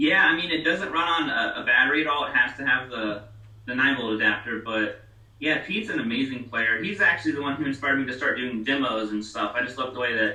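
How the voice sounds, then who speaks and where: Audible room echo and noticeable background noise around very fast speech with ordinary pitch variation. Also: man, medium pitch for a man. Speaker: guitar YouTuber. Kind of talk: casual chat. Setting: video call. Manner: halting.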